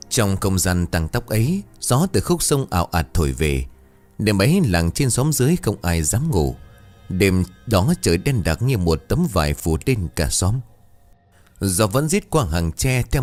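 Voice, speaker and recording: A low-voiced man narrates a dark village tale with a lively, sweeping pitch. Faint music plays under his voice. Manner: expressive, swooping delivery. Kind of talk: dramatic storytelling narration.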